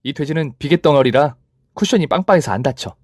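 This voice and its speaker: A man's voice: on the high side, expressive, quick pace, no echo, studio quality. A man voicing a tough, vengeful young woman who mocks with crude insults. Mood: gloating. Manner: taunting, crude.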